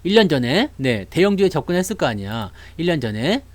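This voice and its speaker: Male stream host, casual market talk, high lively pitch, dry room. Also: brisk, dry recording. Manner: animated, acts out investors' voices. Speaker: stock market YouTuber.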